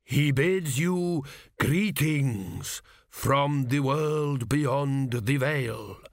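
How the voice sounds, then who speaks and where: A man voicing an aged high priest who speaks slowly and ceremoniously, weighing every word. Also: dry recording, studio quality. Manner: slow, stately and deliberate. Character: aged high priest, solemn, measured and evasive.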